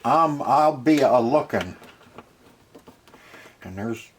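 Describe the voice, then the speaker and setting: A man's voice: medium pitch, lively intonation, slow pace, a little hiss or hum. A man casually narrating a hands-on repair as he goes, muttering to himself in short, folksy remarks. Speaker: host of a retro repair video channel.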